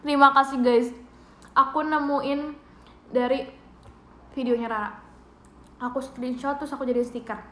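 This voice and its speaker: A woman's voice: sits high, fairly even intonation, normal speed, pauses often, a bit bright, slight background noise. A young woman, chatting playfully and giggling on a live stream from a room at home, speaking into a phone mic. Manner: playful, giggly, thanks viewers. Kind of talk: casual live-stream chat. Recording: roomy echo of a small room.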